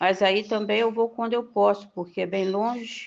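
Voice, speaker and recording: Medium pitch from a woman's voice, set against a quiet background. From Brazil, Espírito Santo (Alegre). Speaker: follower giving testimony. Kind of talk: recorded testimony. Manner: halting, hesitant.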